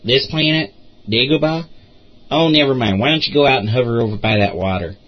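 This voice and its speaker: A man's voice: mid-range voice, brisk, close to an everyday voice. A man voicing an impatient, folksy trooper sergeant who barks orders at his squad. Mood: gruff. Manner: folksy, bossy, exasperated. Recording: muffled lo-fi recording.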